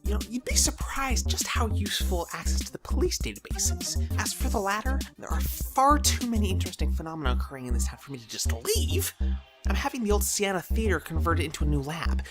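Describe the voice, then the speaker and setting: A woman's voice: mid-range voice, lively intonation, brisk, over music, lightly acted. A woman playing an eager, eccentric male doctor of science in an audio drama, with polite, wordy, formal phrasing. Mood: eager, courteous.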